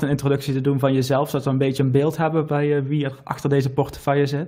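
A man talks at a very fast pace with a fairly high pitch and a dark, mellow tone. His intonation is monotone and flat, and the background is quiet. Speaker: finance YouTuber host. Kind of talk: interview about investment portfolio. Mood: relaxed, curious. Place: home room. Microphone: studio mic.

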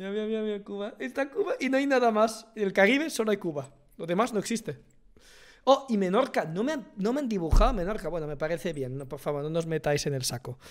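Against a quiet background, a man with a high pitch talks at a very fast pace in an animated tone. His pitch swings very widely. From Spain. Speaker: streamer. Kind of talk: reaction commentary. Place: home room. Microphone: studio mic.

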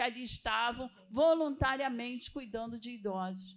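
A woman's high-pitched voice, fairly slow in pace, with lively intonation. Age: 70s. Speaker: eldercare specialist. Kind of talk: public hearing testimony. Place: meeting room. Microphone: handheld.

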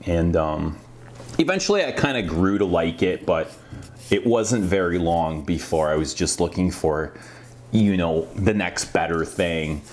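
A man speaks in a very deep, low voice at a fairly slow pace. Light background noise is present. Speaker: perfume reviewer. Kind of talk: casual vlog chat. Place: home room. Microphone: camera far.

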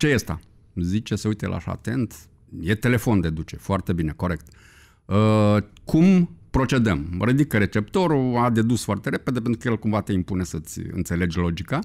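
In a quiet background, a man speaks with a fairly low pitch. He keeps a moderate pace. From Moldova. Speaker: writer; interview guest. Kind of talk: casual interview. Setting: studio. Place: studio. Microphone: studio mic.

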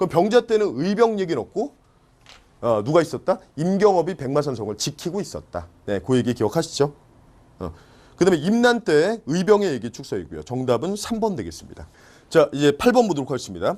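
A man's fairly high voice at a fairly quick pace, full of vocal fry and very wide pitch swings. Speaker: history exam lecturer. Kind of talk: lecture.

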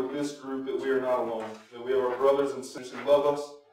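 Over faint background music, a man speaks in a flat monotone with audible room echo. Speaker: pastor leading prayer. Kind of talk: prayer. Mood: calm, reverent. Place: church.

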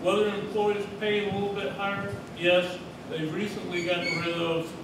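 A man at a fairly slow pace with fairly even intonation, amid noticeable background noise and audible room echo. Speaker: county commission candidate. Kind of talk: candidate forum answers. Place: hall.

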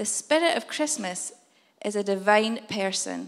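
Against a quiet background, a woman speaks at a fairly slow pace with vocal fry. Her pitch swings very widely. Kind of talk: welcome address and reading. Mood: cheerful, laughing. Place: hall. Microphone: handheld.

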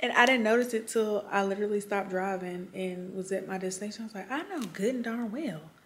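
A woman speaks with a Southern US accent in an upbeat tone. Her pace is fairly quick, with light background noise. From Alabama, US South. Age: 20s. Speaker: lifestyle vlogger. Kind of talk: casual vlog talk to camera. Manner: upbeat, chatty. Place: home room. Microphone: phone near.

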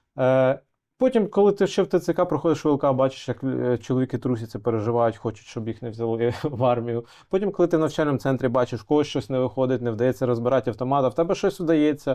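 A man speaks at a very fast pace with a dark, mellow tone, medium pitch and lively intonation against a quiet background. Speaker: military officer, former journalist. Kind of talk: studio interview. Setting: TV studio.

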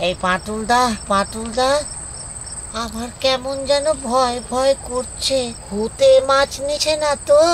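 A cartoonish character voice at a fairly high pitch and fairly slow pace, with clear background noise. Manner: fearful.

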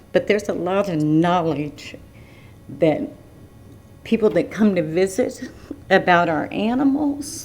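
Pausing long and often, a woman of medium pitch talks at a fairly slow pace with very wide pitch swings, and room echo is audible. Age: 60s. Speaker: resident giving public comment. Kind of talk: public comment at council meeting.

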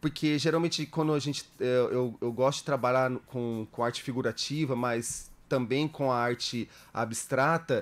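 With hardly any pauses, a man speaks at a fairly slow pace and with fairly even intonation. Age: 40s. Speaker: visual artist; guest. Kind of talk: radio interview. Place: studio. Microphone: studio mic.

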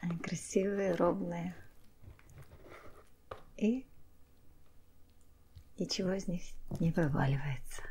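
Soft-spoken and at a very slow pace, the speaker leaves long, frequent pauses over light background noise. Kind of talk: calm ASMR cooking narration. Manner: soft-spoken ASMR murmur.

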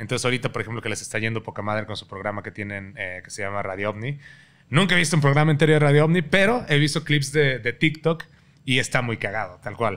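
This voice moves at a very fast pace with lively intonation. Its loudness swings widely. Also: man. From Tuxtla Gutiérrez, Chiapas, Mexico; Chiapas, Mexico. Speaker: content creator. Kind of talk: casual interview chat; interview answer. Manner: casual, slangy, halting. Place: studio. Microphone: studio mic.

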